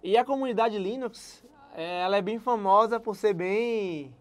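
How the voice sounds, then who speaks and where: A young man from Salvador with a Bahian accent, a guest telling his career story in relaxed casual chat and laughing at himself. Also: high-pitched, a little slow. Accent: Bahian Brazilian Portuguese. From Salvador, Brazil. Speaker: guest software engineer.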